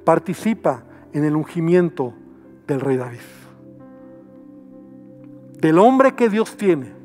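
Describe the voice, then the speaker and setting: A pastor preaching a sermon with a Mexican Spanish accent, acting out people's pleas in short dramatic bursts and dropping to a near murmur to stress a point. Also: male voice, fairly high pitch, sing-song, takes it slowly, darkish tone, soft background music.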